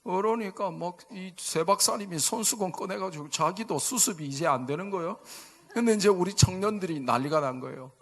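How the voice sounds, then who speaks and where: Busan-accented pastor in his fifties, animated. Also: high voice, a little fast. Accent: Busan Gyeongsang dialect. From Busan, South Korea. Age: 50s. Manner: animated, jokey, asks the congregation for replies. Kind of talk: humorous storytelling sermon. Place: church sanctuary.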